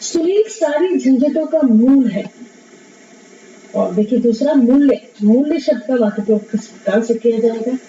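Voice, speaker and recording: A high, mellow woman's voice teaches a class at a measured pace. She repeats each term and poses questions she answers herself. The sound is distant and roomy, dull at the top, with faint noise underneath. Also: animated. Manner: explains slowly, repeats terms, asks and answers own questions. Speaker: Hindi teacher. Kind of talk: classroom lesson.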